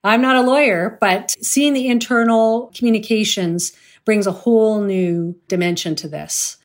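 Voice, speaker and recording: A woman's voice: mid-range voice, normal speed. A woman speaking earnestly and plainly in an interview. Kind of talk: conversational interview.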